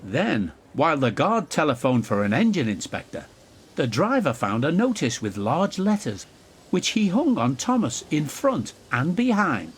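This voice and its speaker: A male narrator tells a children's story from a script. His voice sits a little high and moves freely in pitch at an unhurried pace, with faint noise behind him. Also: sing-song.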